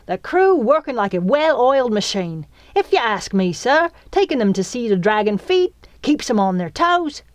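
Eager little storybook deckhand, acted by a woman, high-pitched, chattering, cheerful sailor. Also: sing-song, normal speed, few pauses. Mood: cheery. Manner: eager, nautical sailor talk. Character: cheery, chattering little pirate first mate, male.

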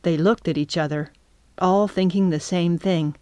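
A woman narrating a children's chapter book in a calm, measured reading. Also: fairly low pitch, no room sound. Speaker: audiobook narrator. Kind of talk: scripted narration.

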